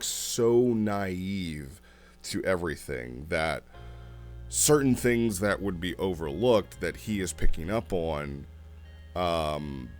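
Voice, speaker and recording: Very low-voiced man, casual rambling review. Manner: conversational, explains by analogy, repeats phrases. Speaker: host reviewing role-play logs.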